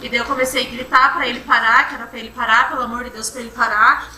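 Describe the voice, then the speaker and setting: A young woman giving courtroom testimony, retelling events in a halting, repetitive way. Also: on the high side, steady tone, bright, forceful tone. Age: young adult. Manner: halting, repetitive retelling, often restarting with "then". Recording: roomy courtroom from far off, faint hum.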